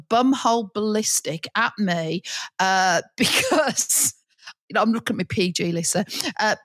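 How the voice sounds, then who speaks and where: A middle-aged woman, co-hosting a podcast and telling a lively anecdote with frequent laughter. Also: medium pitch, no echo. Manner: lively storyteller, chatty, laughs often. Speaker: podcast co-host, teacher trainer. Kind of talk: casual chat, anecdote.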